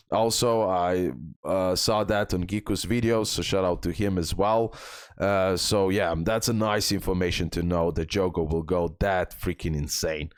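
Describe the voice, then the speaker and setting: A man's voice: on the low side, clear, resonant tone, no echo, studio quality. A man hosting a video game guide, speaking in casual, enthusiastic bro slang with emphatic repetition as he comments and reads out details. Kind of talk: casual gaming commentary, reading out skill descriptions.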